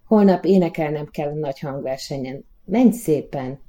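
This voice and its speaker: An actress playing a coaxing, impatient prima donna in a radio play. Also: female voice, low-pitched, mellow, close to an everyday voice. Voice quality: theatrical, coaxing.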